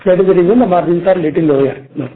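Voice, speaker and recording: High-pitched Indian man on a phone line. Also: very fast, a little hiss or hum. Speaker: company finance executive on an earnings call. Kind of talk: answering analyst questions. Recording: tinny narrow phone-line conference call.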